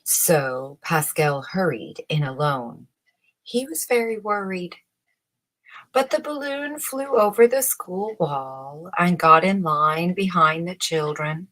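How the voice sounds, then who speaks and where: A woman reading a children's bedtime story aloud in a measured, expressive way, with a husky voice. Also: lowish voice, rough recording. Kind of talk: scripted bedtime story narration.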